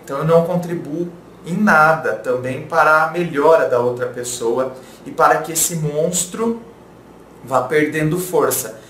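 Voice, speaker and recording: A man from the of São gives relationship advice in a calm, measured way. His voice sits slightly high for a man. It was recorded in a roomy space with a faint hiss behind it. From interior of São Paulo, Brazil. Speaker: relationship advice channel host. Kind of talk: advice talk, reading viewer letters aloud. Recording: roomy echo, faint background noise.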